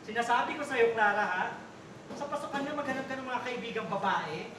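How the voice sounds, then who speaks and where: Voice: medium pitch, a little fast, close to an everyday voice. An actor in a staged play reading, playing a flamboyant gay older brother who talks campily in exclamations, mixing in English. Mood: sassy scolding. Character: flamboyant, campy gay older brother minding his little sister. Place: basement theater stage. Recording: echoey stage room, distant, loud background noise.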